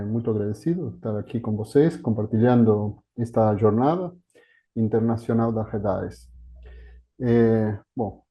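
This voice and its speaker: A man's voice: lowish voice, dull audio. A man from Argentina with an Argentine Spanish accent, giving an academic talk as a guest historian over a video call, hesitant and full of fillers. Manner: hesitant, with many fillers and restarts. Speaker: guest speaker, historian of education.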